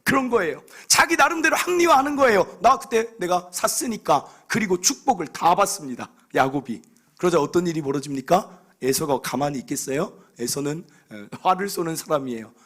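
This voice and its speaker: Husky high-voiced male pastor preaching. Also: brisk. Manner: animated storytelling, acting out scripture dialogue. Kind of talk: sermon.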